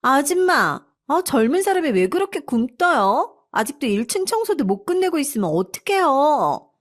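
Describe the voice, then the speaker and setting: A woman voicing a rude, spoiled young wife in a storybook drama, scolding and sneering in a raised, high voice. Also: very animated, normal speed. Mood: snapping.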